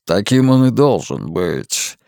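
A male audiobook reader voicing a young rock singer talking to his mother, in a slow, defensive tone close to his own voice. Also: on the low side, sing-song, creaky, a little mellow, no room sound, pitched below the performer's own voice, exaggerated voice. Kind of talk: audiobook character voice.

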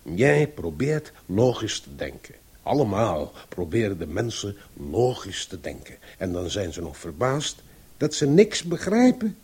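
An actor playing an opinionated, philosophizing elderly uncle who lectures pompously in a Dutch radio play. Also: male voice, on the low side, huge pitch swings, unhurried, darkish tone, breathy edge, full character voice. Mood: smug. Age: older. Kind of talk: Dutch radio drama acting.

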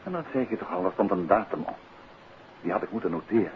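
An actor playing a composed, courteous, inquisitive gentleman detective in a 1950s Dutch radio drama, with a Netherlands Dutch accent. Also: low-pitched, animated, fast, highs cut off. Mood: calm, casual. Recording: band-limited, noisy 1950s radio recording.

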